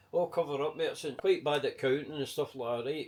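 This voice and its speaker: Amid noticeable background noise, a man with a Glasgow accent talks at a very fast pace. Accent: broad Glasgow Scottish. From Scotland, Glasgow east end. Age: 70s. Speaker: former gang member. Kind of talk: casual storytelling interview. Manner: animated.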